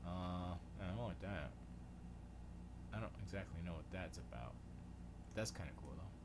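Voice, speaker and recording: This deep, creaky male voice belongs to a Florida livestream host tinkering casually in his home studio at a moderate pace. He mutters questions to himself and trails off mid-sentence as he thinks aloud, and the recording is very noisy.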